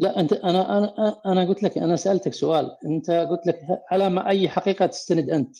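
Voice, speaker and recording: A man with a high pitch speaks with hardly any pauses. His tone is dark and mellow, his intonation fairly even. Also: moderate pace, very even loudness. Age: old. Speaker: caller in a debate room. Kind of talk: debate.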